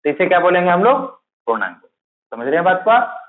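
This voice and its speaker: A man gives a classroom-style math lecture aimed at teaching exams, repeatedly asking a question and then answering it, going over the key terms again and again. He talks fast in a high voice with big swings in pitch. The sound is tinny and phone-like, in an echoey room.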